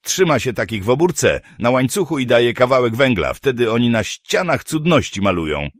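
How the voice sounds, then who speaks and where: A man voicing a burly, rough male mercenary who grumbles and mocks in an audiobook. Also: mid-range voice, big pitch swings, moderate pace, no echo, clean studio sound, voice pushed up. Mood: mocking. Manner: grumbling, mocking.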